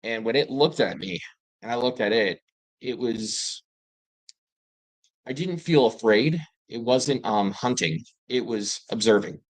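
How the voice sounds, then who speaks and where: A man telling his own eerie wilderness encounters in a casual, rambling way, with fillers and restarts and excited bursts when he quotes himself. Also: medium pitch, a little slow, no echo, low-quality recording. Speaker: panel guest telling paranormal encounters. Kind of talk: casual storytelling.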